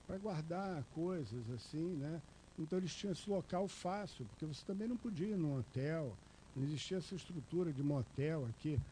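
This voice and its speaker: A middle-aged Brazilian man speaks into a table microphone in a lecture hall, his voice mellow and fairly high for a man. He rambles in a casual, digressive way, leaning on fillers and tag questions. A faint hiss sits under the talk. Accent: Brazilian Portuguese. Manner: chatty, digressive, many fillers and tag questions, gestures broadly. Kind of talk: informal public lecture. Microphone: table microphone on a stand.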